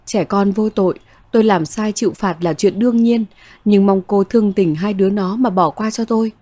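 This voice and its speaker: A woman's voice: medium pitch, normal speed, dark tone, dry recording, lightly acted. A woman voicing a desperate young mother who speaks in a pleading, apologetic way, in a read-aloud story.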